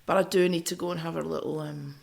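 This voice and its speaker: A woman's voice: sits low, steady tone, fast talker, gravelly. A woman co-hosting a podcast, chatting casually about music. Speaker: podcast co-host.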